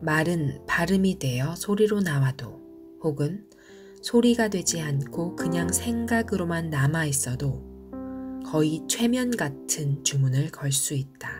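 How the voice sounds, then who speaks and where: A woman's very deep, low voice with a soothing tone, very wide pitch swings and a very slow pace, over music in the background. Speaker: book reading channel host and narrator. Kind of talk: quiet book reading for sleep. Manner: soft, slow, soothing.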